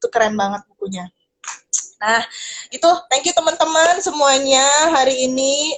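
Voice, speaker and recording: A woman speaks at a moderate pace with a high-pitched voice. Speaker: live stream host. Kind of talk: casual chat. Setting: social media live video.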